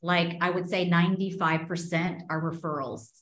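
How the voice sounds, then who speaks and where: A woman's voice: on the low side, steady tone, normal speed, fairly bright tone, echoey room. A woman from Spain who grew up in Texas, a real estate agent chatting upbeat about her business in an interview. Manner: chatty, upbeat, finishes her partner's sentences. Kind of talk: casual interview chat.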